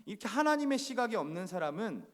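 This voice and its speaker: A man's voice: sits high, big pitch swings, quick pace, fairly bright tone. A male pastor preaching a sermon in a church, speaking conversationally and often putting questions to the congregation. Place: church sanctuary. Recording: church hall reverb.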